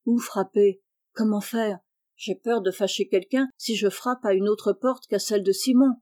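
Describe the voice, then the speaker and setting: A woman's voice: mid-range voice, fairly even intonation, normal speed, mellow, dry recording, studio quality, natural voice. A woman reading as a polite, reassuring boy. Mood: earnest. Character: polite, brave young peasant boy.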